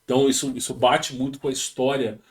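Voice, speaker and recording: Reading from a text and commenting casually, a Brazilian Portuguese–accented man hosts his channel, slipping into slangy digressions and many restarts. His medium-pitched voice keeps a level tone at a quick pace, recorded at home over rural internet.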